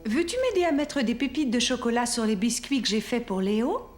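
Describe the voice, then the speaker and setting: Woman doing a sweet encouraging cartoon mom, high pitched, really lively, affectionate. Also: fairly quick, loud music behind the voice, lightly acted. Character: kind, encouraging young mother. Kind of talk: French children's cartoon dialogue.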